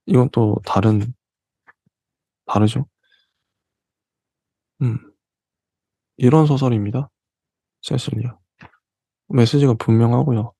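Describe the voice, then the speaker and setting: A man hosting a literature channel, reading passages from a novel aloud and explaining them in between with soft fillers. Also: medium pitch, gravelly, no room sound. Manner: reads passages slowly, then comments with soft fillers.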